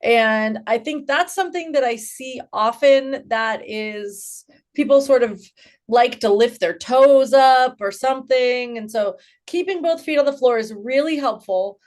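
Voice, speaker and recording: A woman co-hosting a fitness show, explaining an exercise in an earnest, steady way. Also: a little high, measured pace. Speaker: co-host and trainer. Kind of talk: casual exercise coaching.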